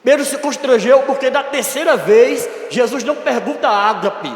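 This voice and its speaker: A man with a Brazilian Portuguese accent preaching a sermon as a church elder, earnest and emphatic, with loud stressed phrases and softer dramatic drops. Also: very high voice, normal speed. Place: church hall. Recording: echoey church hall with long reverb.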